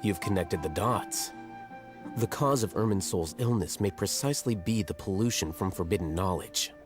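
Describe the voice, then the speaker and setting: A man playing an arrogant, cool-headed scholar in a fantasy video game, speaking in a measured, formal, condescending way. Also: sits low, music in the background, lightly acted. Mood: coolly analytical. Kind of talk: scripted video game dialogue.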